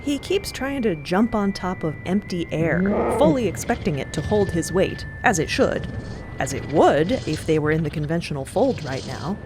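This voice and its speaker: Casting: woman narrator for audio fiction, slightly low register, very expressive delivery. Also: normal speed, background noise. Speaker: narrator of an audio drama podcast. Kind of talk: scripted story narration.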